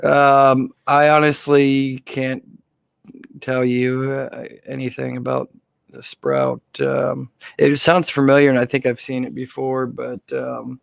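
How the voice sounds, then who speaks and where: Slightly hoarse guy chatting on a livestream, unhurried and halting, super dry close sound. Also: mid-range voice, dry recording. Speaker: live stream host answering viewer questions. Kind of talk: casual live Q&A chat.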